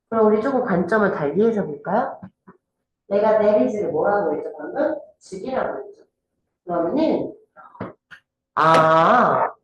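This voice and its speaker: A woman teaching an exam-prep English grammar lesson, often checking in with her students. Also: medium pitch. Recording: very echoey room with faint noise.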